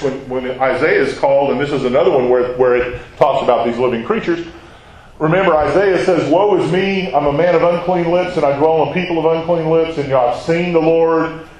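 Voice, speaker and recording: Man, bible study sermon, slightly high voice, conversational, questions to the room, echoey room. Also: darkish tone. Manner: conversational, asks the listeners questions. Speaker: Bible teacher.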